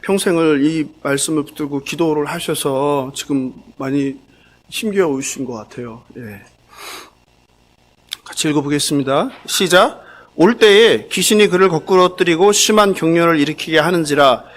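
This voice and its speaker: A male pastor preaching a sermon, keeps asking the congregation questions as he goes. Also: fairly high pitch. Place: church sanctuary.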